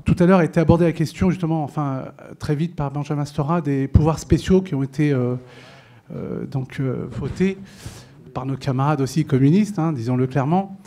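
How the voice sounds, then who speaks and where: Male audience member, rambling question, hesitant, mellow and slightly high. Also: fairly quick. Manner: rambling, hesitant, many fillers. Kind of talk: question from the floor.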